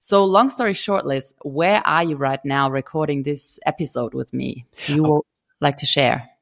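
A woman with a German accent talks with lively intonation and a very deep, low pitch. The sound is dry and close, with no echo. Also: moderate pace. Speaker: podcast host. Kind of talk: interview.

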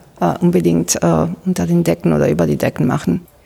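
A woman speaks with an Italian accent. Her pace is fairly quick. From northern Italy, Brescia. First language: Italian (speaking German). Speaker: artist and sculpture professor. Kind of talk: interview. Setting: artist's studio. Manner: hesitant, many fillers.

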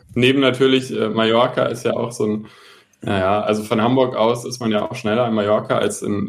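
Speaking in a plain, everyday voice, a man keeps a moderate pace, a medium pitch and fairly even intonation. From Rheinhessen, Germany. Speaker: listener guest. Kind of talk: casual chat.

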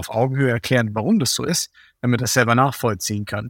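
A man talks at a very fast pace and medium pitch in a very clean recording with a silent background and a dry, close sound with no echo. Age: 30s. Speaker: health and fitness coach, entrepreneur. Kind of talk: interview.

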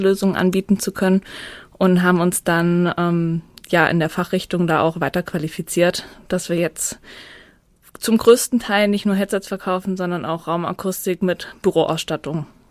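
A woman of medium pitch speaks at a moderate pace with flat, monotone intonation, the sound dry and close with no echo on a very clean recording with a silent background. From northern Hesse, Germany. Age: 20s. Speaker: business owner. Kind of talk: interview. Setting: radio studio.

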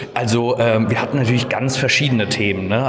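Amid noticeable background noise and audible room echo, a man speaks at a fairly quick pace with fairly even intonation. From Rhineland-Palatinate, Germany. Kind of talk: interview. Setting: conference venue.

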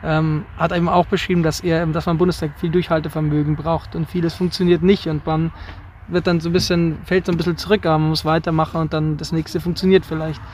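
At a very fast pace, a man with a fairly high pitch speaks in a monotone, flat intonation. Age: 20s. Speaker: youth parliament member. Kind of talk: casual group interview.

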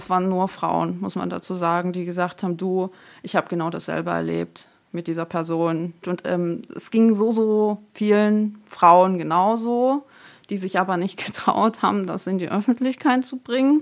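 In an ordinary speaking voice, a woman speaks at a moderate pace, her medium pitch showing ordinary variation. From Germany (Saxony), born in Kazakhstan. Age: 30s. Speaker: skincare influencer. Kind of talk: interview testimony.

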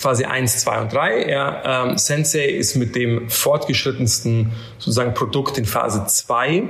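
A man at medium pitch speaks fairly slowly with ordinary pitch variation and very even loudness, with audible room echo and noticeable background noise. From Bavaria, Germany. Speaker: investor and serial founder. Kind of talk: interview. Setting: remote call from Miami. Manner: animated, many fillers.

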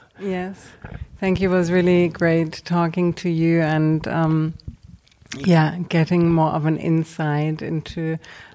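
A woman's fairly low, flat, monotone voice at a very slow pace, with noticeable background noise. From Heidelberg, Germany. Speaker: hospitality design consultant. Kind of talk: interview. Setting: office.

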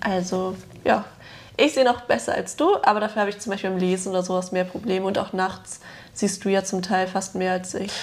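A woman of medium pitch talks fairly quickly in an unremarkable speaking voice, with ordinary pitch variation. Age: 20s. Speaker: law student, podcast co-host, author. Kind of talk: casual chat. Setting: studio sofa.

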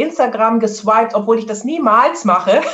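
A woman with a fairly high pitch uses an ordinary speaking voice, talking at a moderate pace. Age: 50s. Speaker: horse therapist. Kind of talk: interview.

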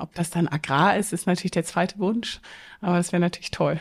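A woman's vocal fry and fairly even intonation. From northern Germany, Baltic coast. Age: 30s. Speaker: agricultural trade fair executive. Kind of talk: interview. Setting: press centre at trade fair.

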